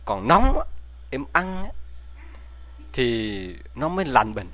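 A man's voice: on the high side, lively intonation, normal speed, dry recording, highs cut off, close to an everyday voice. A man voicing a weeping young woman. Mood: tearful. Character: frightened young village woman, weeping, sick.

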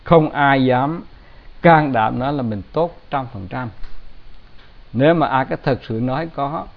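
A man giving a Buddhist dharma talk in a plain, conversational way with gentle humor. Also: mid-range voice, measured pace, gravelly. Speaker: Buddhist teacher. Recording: dull lo-fi recording.

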